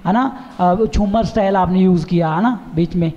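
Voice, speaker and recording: A man's voice: sits high, normal speed, big-room sound, muffled recording, noisy background. A man judging a talent show, giving encouraging and instructive feedback to child performers. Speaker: dance and acting judge.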